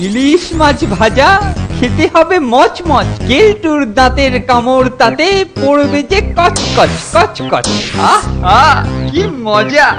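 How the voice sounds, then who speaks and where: Sneaky greedy cartoon schoolboy, gloaty, high drawn out voice, music behind. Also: animated, slow pace. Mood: gloating. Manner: gloating, self-announcing. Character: sly, greedy, scheming older schoolboy bully. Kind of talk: exaggerated Bengali cartoon voice acting.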